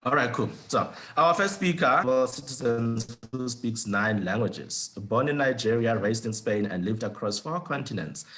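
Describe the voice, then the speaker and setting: A man's voice: medium pitch, animated, moderate pace, hardly any pauses, fairly bright tone. A man hosting an online seminar over a video call, talking loosely with many fillers and restarts. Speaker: webinar host.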